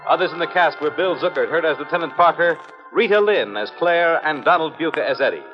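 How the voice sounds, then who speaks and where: A man announcing closing credits in formal 1950s radio style, his pitch rising and falling a lot. The sound is a dull old transcription with faint music under him. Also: expressive, fairly quick.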